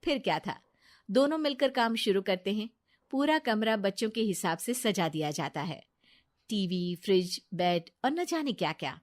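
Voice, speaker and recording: Female narrator, steady and plain, for a cartoon storybook. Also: mid-range voice, normal speed.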